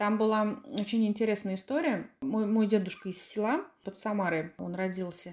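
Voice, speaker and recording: Speaking at a moderate pace, a woman with a fairly high pitch comes through on a very clean recording with a silent background. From Russia, Samara region (Volga). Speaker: psychologist, rabbi's wife. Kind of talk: interview, personal story. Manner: hesitant, many fillers.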